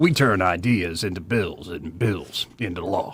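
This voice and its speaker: A man uses a put-on character voice with a very deep, low pitch. He talks at a moderate pace. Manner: polished, earnest, announcer-like.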